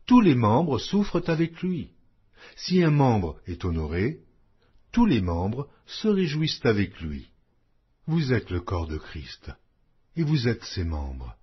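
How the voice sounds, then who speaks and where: Slow, expressive man reading scripture. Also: medium pitch, breathy edge. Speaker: audiobook Bible reader. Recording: dull lo-fi audio.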